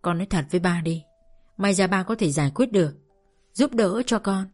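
A woman reading an audiobook, voicing an older father who speaks softly and sadly to his daughter. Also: mid-range voice, lively intonation, brisk, faint music behind, close to an everyday voice. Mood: sorrowful. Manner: soft, pleading, sighing. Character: gentle sorrowful father, older man.

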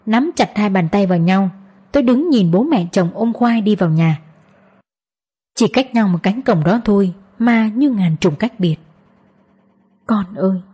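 Brief: breathy female storyteller, heartfelt first-person narration, mid pitch. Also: mellow.

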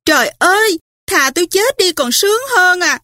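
A woman voicing a spoiled, hot-tempered young widow in a storybook reading, with a petulant, shrill manner. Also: expressive, a little slow, dry recording, clean studio sound. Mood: furious.

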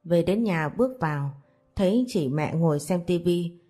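A woman narrating a romance story in a steady, even reading. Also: on the low side, moderate pace, soft background music.

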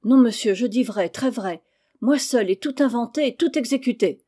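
A woman reading the part of a bold schoolboy, polite and firm, who keeps calm under pressure. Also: fairly high pitch, normal speed, lightly acted. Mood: steady.

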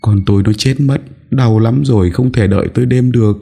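A man's voice: mid-range voice, a little fast, vocal fry, dark tone, husky, pitched above the performer's own voice. A man voicing a poor young mother who begs tearfully for help for her burned child. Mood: pleading. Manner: pleading, tearful.

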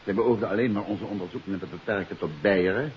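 An actor playing a confident detective who explains a case in an assured, emphatic way, in 1950s radio drama style. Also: male voice, low voice, fast, close to an everyday voice. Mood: assured explaining. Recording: dull, hissy 1950s radio recording.

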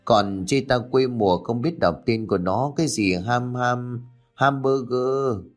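A man voicing a humble, grieving old grandmother in a spoken ghost story, talking in a gentle, coaxing way. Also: fairly low pitch, normal speed, soft background music, close to an everyday voice. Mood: tender, coaxing.

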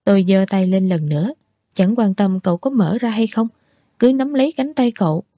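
A woman reading a novel aloud as an audiobook narrator, in steady, measured first-person narration. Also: mid-range voice, no echo, studio quality.

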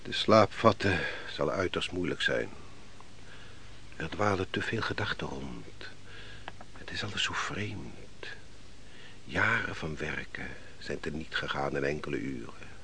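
An actor playing a defeated army commander in a Dutch radio play, weary, bitter and brooding, speaking in a grave, declamatory way. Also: male voice, a bass voice, expressive, a little slow, creaky, bright, forceful tone, heavily acted. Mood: broken, bitter. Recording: noisy old radio play recording.

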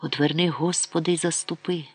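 A man's voice: a little high, fairly even intonation, brisk, slightly rough, dry recording, voice pushed up. A man doing a pleading old grandmother. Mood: praying. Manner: pleading, tearful. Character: frightened praying old grandmother.

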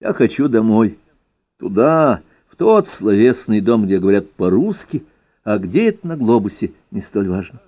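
A man reads a witty essay aloud in a mellow, darkish voice. His pitch rises and falls freely as he leans on the ironic turns. The recording sounds a bit dull and lo-fi. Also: normal speed. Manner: expressive, ironic, lively emphasis. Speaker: reader. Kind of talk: reading an ironic first-person essay aloud.

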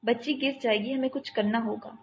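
A woman voicing a calm, commanding young male army captain who steadily coaxes a frightened child, on dull lo-fi audio. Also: fairly high pitch, a little hiss or hum, lightly acted. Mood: urgent. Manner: steady, coaxing, talks a frightened child through danger.

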